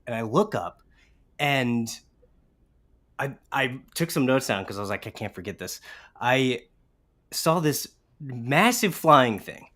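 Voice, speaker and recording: Male guest, medium pitch, relaxed conversational storyteller on a chat show. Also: slow, long pauses. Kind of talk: casual anecdotal storytelling.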